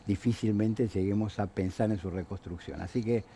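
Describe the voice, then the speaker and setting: A man's voice: lowish voice, normal speed, warm tone, a little hiss or hum. A man with an Argentine accent speaking as a guest on a political talk show, emphatic and blunt. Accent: Argentine Spanish. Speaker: guest commentator.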